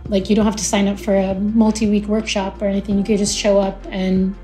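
A woman from Israel whose first language is Hebrew, speaking in an earnest, reflective way with pauses as an artist and community organizer. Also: medium pitch, flat delivery, mellow, soft background music. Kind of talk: interview soundbite.

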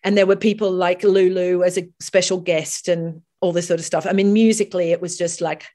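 Woman guest, professional singer from Australia, animated storyteller with lots of restarts. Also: on the low side, a little fast. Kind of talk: casual interview chat.

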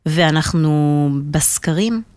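A marketing executive, interviewed as a guest, speaks Hebrew with a slight French-sounding lilt. Her voice is low and free of echo, and her answers are emphatic and businesslike.

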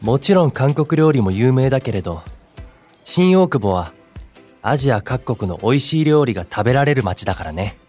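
An actor playing a kind, composed young male idol in an audio drama, speaking as a friendly, encouraging senior with gentle wording. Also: mid-range voice, very animated, moderate pace, soft background music. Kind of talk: Japanese audio drama acting.

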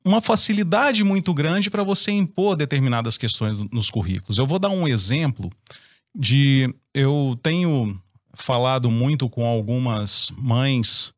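A man's voice: medium pitch, expressive, a little slow, no echo. Opinionated Brazilian man, dry sound. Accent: Brazilian Portuguese. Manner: explanatory, opinionated. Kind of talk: casual discussion.

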